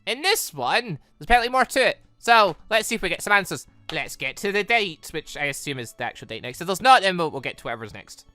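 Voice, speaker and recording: Animated, bright-voiced man commentating on a game. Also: sits high, quick pace, few pauses, no room sound. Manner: chatty, rambling, self-correcting asides. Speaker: gaming channel host. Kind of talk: let's play commentary with read-aloud dialogue.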